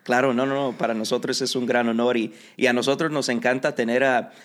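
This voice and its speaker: A man hosts a podcast with an easygoing voice at an ordinary middle pitch. He speaks in a loose, friendly way, full of fillers, and drifts between two languages. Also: fairly quick. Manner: relaxed, many fillers, mixes Spanish and English. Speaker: podcast host. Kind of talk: casual bilingual interview.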